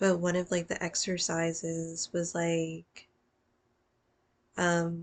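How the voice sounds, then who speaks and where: In an American accent, a woman speaks very slowly with long, frequent pauses. Her fairly low voice stays monotone and flat. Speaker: pharmacy student, vlogger. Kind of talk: casual vlog chat. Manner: slurs words, weak L sounds; rambling, many fillers.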